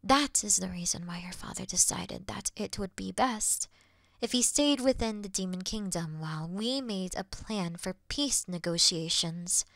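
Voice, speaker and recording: Demon queen, played by a woman: regal, sincere, measured and soft-spoken, with a bright edge, recorded dry for fantasy roleplay audio. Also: mid-range voice, vocal fry, no room sound. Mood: earnest, grave. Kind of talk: scripted fantasy audio roleplay addressed to the listener.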